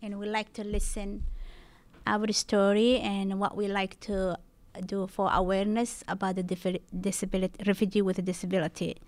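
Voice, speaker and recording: A young woman, a graduate student, giving a panel presentation in halting second-language English. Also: mid-range voice, flat delivery, darkish tone, dry recording.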